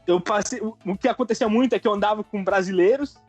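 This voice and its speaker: A man's voice: sits high, fast, no room sound. A man chats casually. His talk is slangy and informal, recorded dry, with light music behind. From United States and Brazil. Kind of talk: casual chat.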